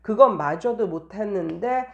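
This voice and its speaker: A woman's voice: medium pitch, measured pace, gravelly, highs cut off. A woman tutor talking casually in an anecdotal monologue, explaining things and repeating phrases for emphasis. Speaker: private English tutor giving teaching tips.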